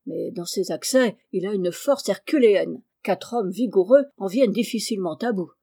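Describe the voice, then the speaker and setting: Storybook gentleman, sly and soothing, read by a woman, warm low tone. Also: moderate pace, husky, dry recording, studio quality. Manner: soothing, reassuring. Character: calm, scheming gentleman soothing a friend.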